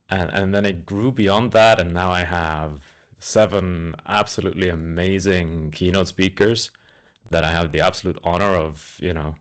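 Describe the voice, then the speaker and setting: Deep-voiced Swiss man telling his story. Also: a bit bright. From Switzerland. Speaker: interview guest, speaker agent. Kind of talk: conversational interview.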